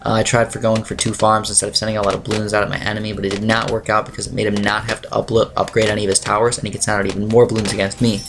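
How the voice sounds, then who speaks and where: With background noise around him, a teenage boy talks over a game for his YouTube channel, his raspy, dry voice on the low side and flat. He races along with hardly any pauses, rambling casually with many fillers and clearing his throat.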